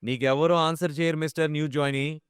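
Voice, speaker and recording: A man's voice: fairly high pitch, fairly even intonation, fast talker, clear, resonant tone, dry recording, clean studio sound, voice pushed up, natural voice. A man voicing a haughty young woman office worker in an audio drama, cold and dismissive.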